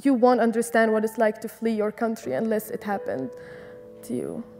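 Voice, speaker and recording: A woman's voice: fairly high pitch, animated, moderate pace, mellow, soft background music. A young woman from Syria, speaking earnestly and with passion as an interview guest. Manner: earnest and impassioned. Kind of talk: conversational interview.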